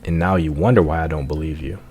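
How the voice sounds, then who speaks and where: A man's voice: rumbling low, fairly even intonation, quick pace, a little mellow, faint music behind. A man voicing a skeptical, teasing teenage schoolboy in a read-aloud of a visual novel, with a dry manner.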